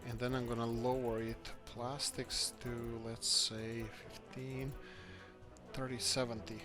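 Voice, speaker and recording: A man's voice: mid-range voice, level tone, a little slow. A man from Croatia, hosting a let's-play game video and thinking aloud as he builds, often searching for words. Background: background music.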